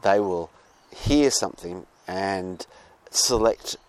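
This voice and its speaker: Australian man, very low voice, casual reflective monologue, halting, digressive, outdoors. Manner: halting and digressive, restarting phrases. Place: outdoors with birds nearby.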